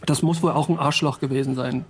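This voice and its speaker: A man's voice: medium pitch, fairly even intonation, fast talker, breathy edge. A man co-hosting a podcast, explaining things matter-of-factly in casual chat. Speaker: podcast co-host.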